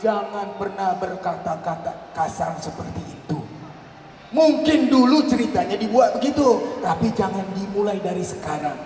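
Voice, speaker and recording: A very high-voiced man speaks from far off in a heavily echoing hall. He is a workshop trainer on storytelling, emphatic and teasing, throwing out rhetorical questions over faint noise. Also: lively intonation, normal speed, darkish tone. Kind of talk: live workshop talk to teachers, theatrical storytelling. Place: large indoor hall at a live event.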